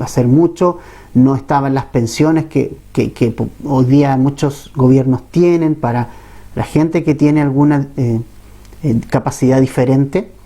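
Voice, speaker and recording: A man's voice: medium pitch, warm tone. A man with a Chilean accent preaching a Bible-teaching sermon as pastor, talking conversationally and often asking the congregation questions. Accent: Chilean Spanish.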